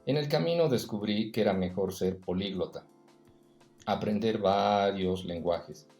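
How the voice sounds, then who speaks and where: A man's voice: lowish voice, measured pace, darkish tone, reverberant, soft background music. A man, a podcast guest, talking reflectively in a casual interview, telling personal stories and often adding "eh" and a tag question. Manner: reflective, storytelling, frequent "eh" and tag "¿no?".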